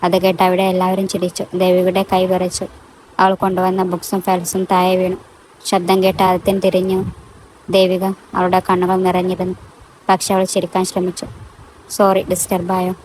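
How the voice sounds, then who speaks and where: Low, level-voiced woman storyteller. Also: completely flat delivery, moderate pace, a little mellow, a little hiss or hum, low-quality recording. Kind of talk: narrating a romantic audio story.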